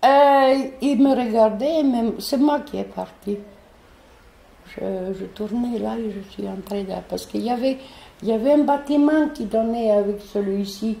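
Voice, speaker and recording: A woman with a foreign accent, telling a personal story in an animated, hesitant way, full of restarts. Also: a little high, normal speed, vocal fry. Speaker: interviewee, neighbourhood resident. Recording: roomy echo.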